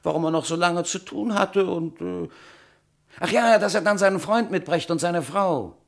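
An actor playing a testy office worker under questioning in a radio crime play, curt and defensive. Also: male voice, high-pitched, normal speed. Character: testy male office colleague giving his alibi.

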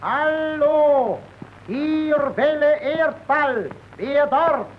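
An actor playing an excited radio announcer, calling out in drawn-out declamation in a 1920s German radio drama. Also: male voice, very high-pitched, heavily acted. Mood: urgent calling. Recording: dull old 1920s radio recording, loud music.

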